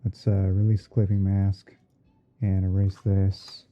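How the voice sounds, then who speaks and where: A man playing a gentle, easygoing TV painting instructor in a halting, murmured ASMR livestream roleplay. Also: low-pitched, monotone, lo-fi sound. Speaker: livestream host. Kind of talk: ASMR roleplay livestream while editing images.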